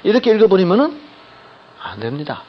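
A man's voice: sits high, wildly swooping pitch, fairly quick, dull audio. A male pastor giving a sermon, reading scripture aloud with drama and asking the congregation questions.

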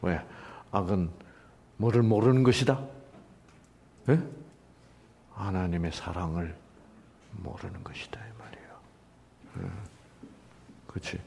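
A man's voice: lowish voice, creaky. A man teaching a Bible passage as a sermon, often asking and answering his own questions, with sudden drops into whispers. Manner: rhetorical questions and answers, swings from loud to whispered. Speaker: pastor.

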